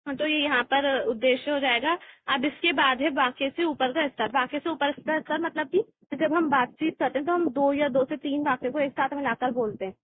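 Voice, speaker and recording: A woman teaching an exam-prep lesson. She explains step by step, often restarting her phrases, and reads textbook passages aloud slowly. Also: high-pitched, fairly even intonation. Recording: tinny phone-like recording with faint hiss.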